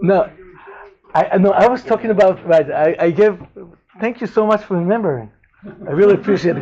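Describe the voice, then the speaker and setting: A man's high voice at a fairly quick pace, broken by long, frequent pauses. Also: ordinary pitch variation. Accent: Israeli. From Israel, Jerusalem. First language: Hebrew. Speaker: rabbi. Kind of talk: lecture. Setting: room with live audience. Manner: halting, many fillers and restarts.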